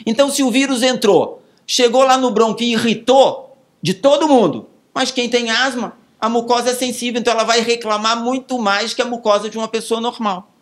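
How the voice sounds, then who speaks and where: Speaking with a Brazilian Portuguese accent, a male pulmonologist answers interview questions in a very high-pitched, steady voice. He explains things slowly, using vivid examples from everyday life.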